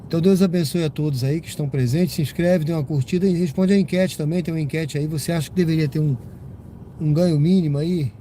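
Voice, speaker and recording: A man's voice: fairly high pitch, fast, mellow. A Brazilian rideshare driver chatting casually to his live-stream viewers from the car, slightly congested from a cold, rambling with lots of tag questions. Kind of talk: casual live-stream chat while driving. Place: inside a car driving at night. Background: car and road noise.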